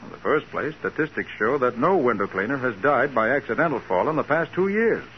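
An American man playing a confident, resourceful private detective in a 1940s radio drama, speaking with assured, wry briskness. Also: mid-range voice, lively intonation, natural voice. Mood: brisk, assured. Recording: muffled 1940s radio recording, faint noise.

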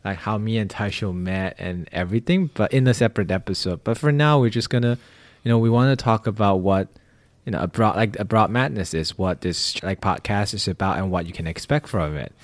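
A man's voice: lowish voice, fairly quick, no echo. A young man from Malaysia hosting a casual podcast, rambling with lots of fillers. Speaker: podcast host. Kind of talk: casual chat.

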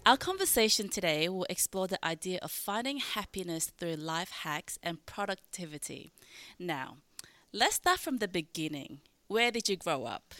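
A woman hosting a podcast interview, asking calm, measured questions. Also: fairly low pitch, no echo, faint music behind. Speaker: podcast host.

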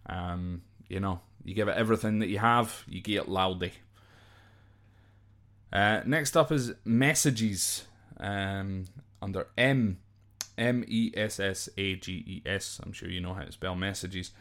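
The speaker is a Scottish man hosting a podcast, his voice sitting low and a bit bright at a measured pace. Working from a list, he explains slang terms informally and hesitantly, off the cuff, sometimes spelling them out.

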